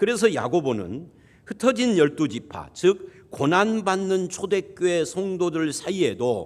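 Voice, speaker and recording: A man speaks at a fairly slow pace with a high pitch. His pitch swings very widely. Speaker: senior pastor. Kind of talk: sermon.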